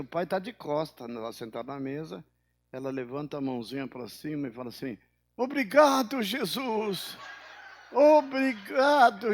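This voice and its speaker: An older man, a pastor, preaching a sermon, rising suddenly in pitch and volume, then dropping low, and acting out the people in his stories in a higher voice. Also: gravelly, darkish tone.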